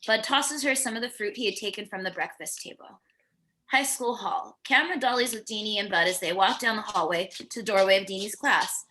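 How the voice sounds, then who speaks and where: A woman's voice: mid-range voice, a little fast, bright, forceful tone, rough recording. A woman narrating screenplay stage directions in a plain descriptive reading, with the occasional stumble, at a virtual table read.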